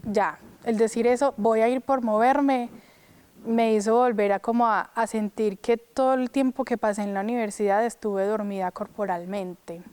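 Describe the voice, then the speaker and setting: A woman's voice: medium pitch, fairly even intonation, normal speed, hardly any pauses, a little mellow, smooth. A young woman who sings opera, chatting casually in an interview and filling her speech with "pues" and "o sea". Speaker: opera singer.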